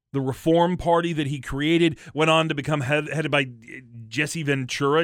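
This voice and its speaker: A man with an American accent has a normal speaking voice, fairly high in pitch, with fairly even intonation. His moderate pace comes through on a very clean recording with a silent background. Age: 40s. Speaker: political commentator. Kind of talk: political monologue.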